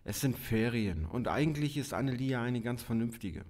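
A man's voice: mid-range voice, lively intonation, moderate pace, darkish tone, close to an everyday voice. An actor playing a middle-aged policeman and worried father in an audio drama. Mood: worried, subdued. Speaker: police officer in drug squad.

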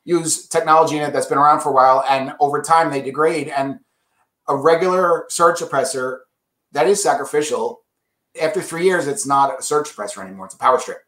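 A man's voice: a little high, brisk, a bit bright, reverberant. A man representing an audio brand, casually explaining products in an enthusiastic, salesy way.

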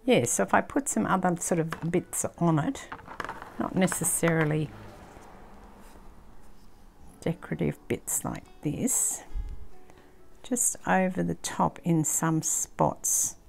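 Low gravelly-voiced older Australian woman. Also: unhurried, faint music behind. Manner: thinking aloud, soft, trailing off into near-whispers. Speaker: craft channel host. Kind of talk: casual craft-along commentary. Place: indoor craft table, filmed from overhead.

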